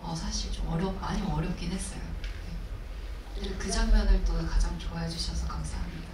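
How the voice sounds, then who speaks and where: A woman answering questions on stage at a film screening Q&A, speaking thoughtfully with pauses and fillers. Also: lowish voice, steady tone. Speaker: actress at a film Q&A. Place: cinema hall with audience. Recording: echoey cinema hall from far off, noisy.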